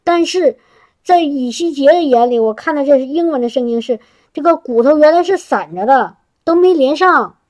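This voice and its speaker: A woman preaching a sermon in an animated, exclamatory way, often repeating words and laughing between phrases. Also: sits high, normal speed.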